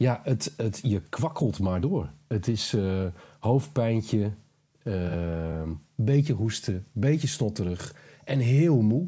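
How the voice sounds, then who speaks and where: A man speaks very slowly at a medium pitch, his dark, mellow tone somewhat breathy and his intonation lively, on a very clean recording with a silent background. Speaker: podcast co-host. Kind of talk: casual chat. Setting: at home.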